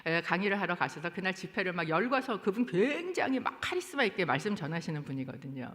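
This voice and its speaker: A woman's voice: fairly low pitch, fast. A woman pastor preaching a sermon, telling stories with animation and pressing her points with emphasis. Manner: animated storytelling, rising to emphatic exhortation. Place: church sanctuary. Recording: long church hall reverb.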